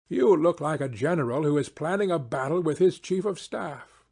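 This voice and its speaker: A man voicing a proud, anxious gentleman baronet in an audiobook, formal and a little plaintive. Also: a little high, normal speed, gravelly, breathy edge. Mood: hearty. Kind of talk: audiobook character acting.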